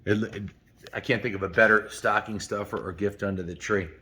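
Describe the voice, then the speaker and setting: This story time host has a fairly low voice and a steady, brisk delivery that sounds pushed and bright. Folksy and enthusiastic, he addresses his audience directly, whether he's chatting casually or reading aloud.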